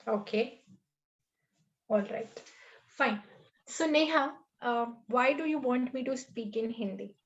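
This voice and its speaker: A woman with an Indian English accent conducts an HR interview over a video call, her voice set a little high. She talks in a firm, coaching way and keeps checking that she is understood. The call audio is muffled. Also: takes it slowly, pauses often. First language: Marathi.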